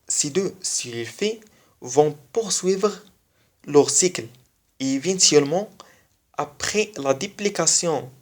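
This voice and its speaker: Non-native french speaker explaining biology, says the key bits twice, steady middle pitch. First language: not French. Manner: repeats key phrases slowly for emphasis. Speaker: biology video teacher. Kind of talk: explanatory online lesson.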